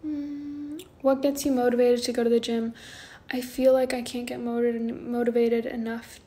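A woman in her twenties chatting casually on a livestream from her bedroom, soft and drowsy, often trailing off. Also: fairly high pitch, level tone, moderate pace, slight background noise. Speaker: livestream host. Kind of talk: casual chat answering viewer comments. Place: small bedroom indoors. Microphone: phone held close, front camera.

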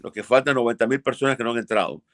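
A man's voice: mid-range voice, racing, no room sound, clean studio sound. An older man, an immigration lawyer, answering viewers' questions emphatically and bluntly over a video call from a home office. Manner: emphatic, blunt, repeats for stress. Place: home office with framed pictures.

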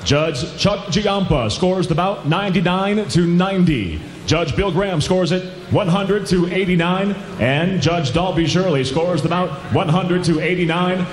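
High-pitched male boxing ring announcer, echoing hall. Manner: formal, drawn-out announcing of names. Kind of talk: boxing ring announcer reading scorecards and results. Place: large indoor boxing venue, in the ring. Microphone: handheld microphone. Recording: echoey hall with long reverb.

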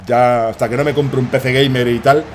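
A man's voice: medium pitch, fairly even intonation, a little fast, a little hiss or hum. Swearing, jokey Spanish streamer man. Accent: Spain Spanish. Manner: loud, swearing, jokey anecdotes. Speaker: streamer and voice actor. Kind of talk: casual livestream storytelling. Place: echoey room.

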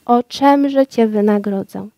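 A woman's voice: medium pitch, slow pace, dark tone, no room sound. A woman voicing an old, recovering emperor in a storybook reading, speaking earnestly and with fervour. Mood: grateful. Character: old sick emperor, grateful and majestic.

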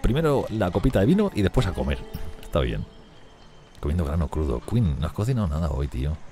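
Man, very low voice, lively pitch, chatty game commentary, clear music behind. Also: quick pace. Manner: chatty, talks to his characters. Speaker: gameplay youtuber.

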